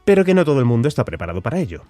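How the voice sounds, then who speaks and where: A man's voice: medium pitch, sing-song, racing, dark tone, no echo, soft background music. A man with a Spanish accent hosting a podcast, talking with enthusiastic emphasis. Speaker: podcast host. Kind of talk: scripted podcast intro.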